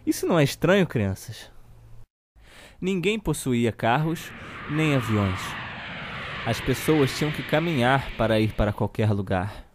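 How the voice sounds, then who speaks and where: A man with a Brazilian accent playing a children's TV uncle who reads a storybook slowly and deliberately to children. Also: medium pitch, expressive, slight background noise, close to an everyday voice. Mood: storytelling. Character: children's TV show host uncle reading a satirical storybook. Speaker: storyteller host of a kids' show.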